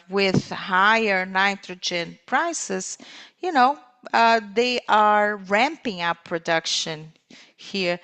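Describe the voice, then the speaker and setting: A woman interpreting live on a corporate call, speaking in halting phrases with pauses mid-sentence. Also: medium pitch, fairly bright tone, smooth.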